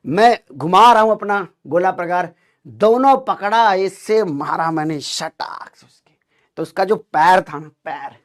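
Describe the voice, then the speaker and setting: A man with a high voice tells an animated story to his class. He acts out the dialogue with lively drama. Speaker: teacher telling a story to students.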